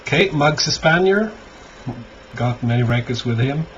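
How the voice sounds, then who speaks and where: A man's voice: mid-range voice, animated, a bit bright. Hesitant man in a dull, noisy recording. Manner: hesitant, halting, thinking aloud. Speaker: record collector presenting finds. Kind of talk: casual unscripted show-and-tell. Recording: dull lo-fi audio, clear background noise.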